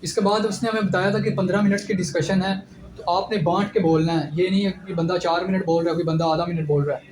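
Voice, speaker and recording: Speaking quickly in a high voice, a young man who is an ISSB candidate offers direct, instructive advice in the style of a casual lecture. His voice echoes around the room, and a constant background noise is clearly audible beneath it.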